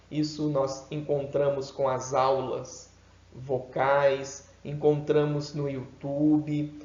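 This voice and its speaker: A man with a Brazilian Portuguese accent teaching a seminary homiletics class in an emphatic, deliberate way, swinging his pitch and loudness for effect. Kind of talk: homiletics lecture. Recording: echoey room, dull lo-fi sound.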